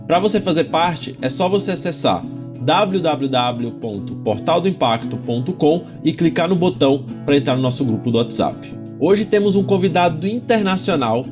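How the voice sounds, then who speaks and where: A man hosting a podcast, introducing his guest and asking questions in a friendly, upbeat way. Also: on the high side. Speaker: podcast host. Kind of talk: podcast interview.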